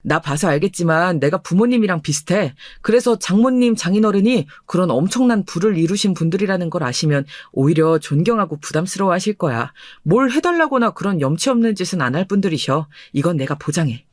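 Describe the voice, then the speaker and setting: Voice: medium pitch, expressive, fairly quick, few pauses, no echo, studio quality, lightly acted. A performer voicing an earnest, deferential husband in his thirties in a dramatized radio story.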